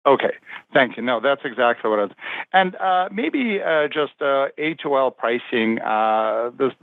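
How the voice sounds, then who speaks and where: Male analyst, middle pitch, informal and halting questioner, dry phone-line sound. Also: expressive, creaky, no room sound. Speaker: financial analyst asking questions. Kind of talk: informal earnings call questioning. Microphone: telephone.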